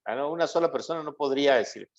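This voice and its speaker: A man's voice: a little high, fast, a little hiss or hum. Man teaching the Bible, muffled audio. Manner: didactic, often checks understanding with short questions. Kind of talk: interactive Bible lesson to a congregation.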